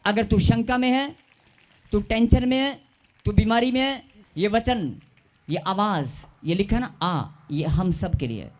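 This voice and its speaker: A man with a high-pitched voice preaches a sermon. He leads the congregation in call and response and repeats key phrases with drawn-out emphasis. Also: expressive. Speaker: pastor.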